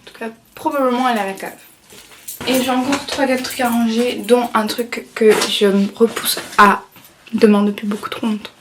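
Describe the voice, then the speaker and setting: A woman with a fairly high voice chats away while tidying her bedroom, rambling and teasing herself as she goes. Her voice reaches a camera set across the room, so it sounds distant and bounces around the space, with faint clatter underneath. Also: fairly even intonation, moderate pace, background noise. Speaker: vlogger. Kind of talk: casual vlog chat while tidying. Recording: echoey room, voice from off-mic, faint background clatter.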